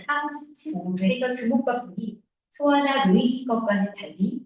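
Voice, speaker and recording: A woman's voice: on the high side, animated, moderate pace. A woman reading scripted educational narration in a formal explanatory style. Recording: very echoey playback, distant mic.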